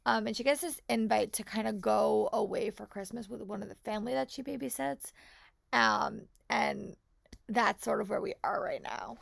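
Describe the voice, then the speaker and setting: A young woman chatting casually in a book vlog, hoarse from a long day of talking at work, upbeat with lots of "like" and restarts. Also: on the high side, dry recording. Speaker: book vlogger. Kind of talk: casual vlog check-ins.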